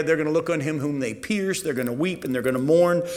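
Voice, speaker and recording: There is audible room echo around a man speaking with a fairly high pitch. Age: 50s. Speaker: bible teacher. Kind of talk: sermon.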